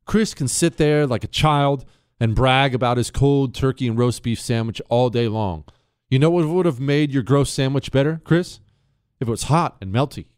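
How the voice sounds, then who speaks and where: A man's voice: medium pitch, moderate pace, darkish tone, clean tone. A man hosting a talk radio show, ranting in mock outrage and teasing his co-host. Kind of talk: opinionated talk radio monologue.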